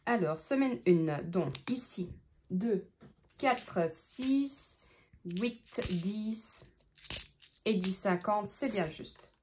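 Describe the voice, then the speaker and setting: A woman's voice: mid-range voice, animated, very slow, long pauses, background noise. A woman with a Belgian French accent, chatting casually to her viewers while counting out her budget, thinking aloud with many fillers. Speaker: budgeting vlogger. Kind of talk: casual talk to camera.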